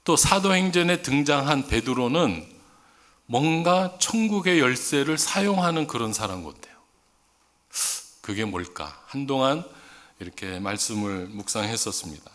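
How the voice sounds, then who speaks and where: A man's voice: mid-range voice, expressive, normal speed, fairly bright tone. A man preaching a sermon as a visiting missionary in a church, telling a story in a conversational tone. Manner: conversational storytelling, acts out dialogue in quoted voices. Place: church sanctuary.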